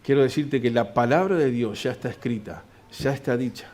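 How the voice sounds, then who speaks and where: A man's voice: medium pitch, fairly quick, darkish tone. Man preaching a sermon. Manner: reads scripture aloud, asks and answers his own questions. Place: church.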